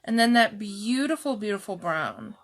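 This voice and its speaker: A middle-aged woman with a calm, soft-spoken voice, chatting slowly through a live jewelry showcase and answering viewers by name. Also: mid-range voice. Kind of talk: slow live-stream product showcase chat.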